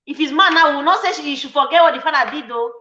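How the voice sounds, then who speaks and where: A woman with a Nigerian accent hosting a casual live-stream chat, lively and teasing as she welcomes guests. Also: sits high, racing, roomy sound, highs cut off, a little hiss or hum. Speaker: talk show host.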